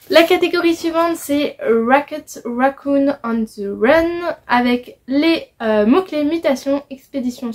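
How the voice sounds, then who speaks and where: A woman's voice: a little high, a little mellow. A young woman from France chatting casually about her reading list as a book vlogger, with many hesitations and restarts. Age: young adult. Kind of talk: casual book haul chat.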